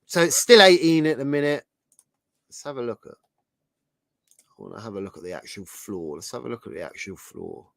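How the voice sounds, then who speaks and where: A man with a sore, hoarse throat, hosting a casual livestream and rambling chattily as he browses. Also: medium pitch, expressive, normal speed, long pauses, fairly bright tone, no room sound. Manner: chatty, rambling, thinks aloud while browsing. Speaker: livestream host.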